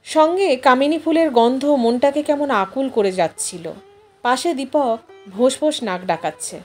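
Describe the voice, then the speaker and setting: A woman's voice: sits high, normal speed, a little mellow. A woman narrating a literary short story expressively as an audiobook reader. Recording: music behind the voice.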